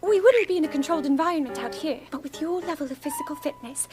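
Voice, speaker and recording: An actress voicing an earnest, curious young princess and scholar in a video game cutscene. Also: female voice, sits high, fast talker, music in the background. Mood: excited. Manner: earnest, bursts into excitement.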